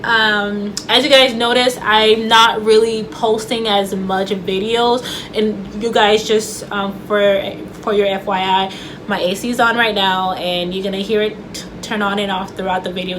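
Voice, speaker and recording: A woman's voice: medium pitch, steady tone, moderate pace. Woman vlogging at home, stutters a bit, rambly and casual, faint ac hum behind. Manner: stutters, with repeated words and restarts; chatty and loose, with many fillers. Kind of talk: casual talk to camera. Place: home room with air conditioner running. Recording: faint air conditioner hum.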